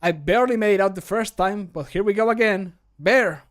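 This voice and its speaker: A man's voice: high voice, brisk, voice pushed up, lightly acted. A man voicing a wry fantasy game adventurer, theatrical and projected, recorded close to the microphone. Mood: alarmed, bold. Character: wry male fantasy game adventurer cracking bear puns. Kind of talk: video game voice line takes. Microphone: close studio microphone.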